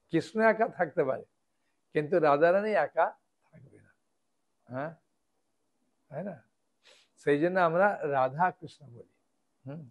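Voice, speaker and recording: A man, a monk preacher, giving a devotional lecture and explaining step by step, often checking with his listeners. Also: fairly high pitch.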